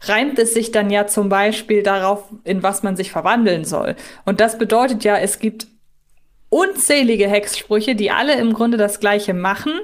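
A woman hosts a casual podcast discussion. Her voice sits at a middle pitch. She talks in a reflective way, working out her thoughts as she goes. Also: normal speed. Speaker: podcast host.

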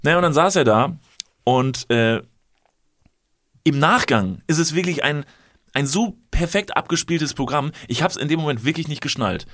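A man from Cologne hosting a podcast, telling an anecdote in an animated way with lots of fillers. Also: on the high side, normal speed, no room sound, studio quality. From Cologne, Germany. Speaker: podcast host. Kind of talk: casual storytelling chat.

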